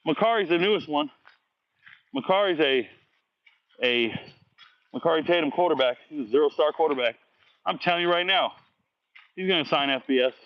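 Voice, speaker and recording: A high school football recruiting vlogger, a man, casually answers viewer comments after a workout with blunt, slangy trash talk. His voice is on the high side, and the recording is dry and lo-fi.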